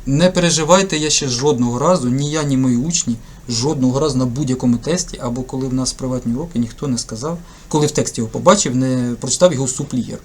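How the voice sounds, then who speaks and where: A man who tutors English talks through a test task in a casual lesson, in a lively, chatty and jokey way. Ukrainian is his first language. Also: medium pitch, fast talker, few pauses, slightly rough. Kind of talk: casual screen-recorded lesson commentary.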